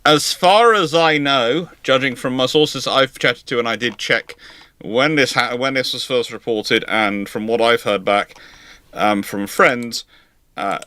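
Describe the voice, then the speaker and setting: A man's voice: mid-range voice, pushed and bright, dry recording. A man hosting a live question-and-answer stream, talking in a wry, discursive way with sarcastic asides. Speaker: host.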